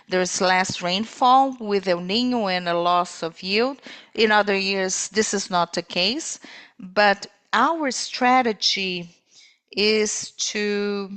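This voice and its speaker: A woman interpreting live on a corporate call, speaking in halting phrases with pauses mid-sentence. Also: mid-range voice, a bit bright.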